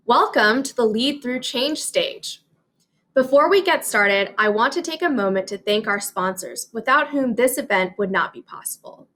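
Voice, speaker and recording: A woman's voice: a little high, lively intonation, normal speed, fairly bright tone. Upbeat woman hosting a conference stage. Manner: upbeat, formal introductions. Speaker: conference host. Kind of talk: scripted event hosting.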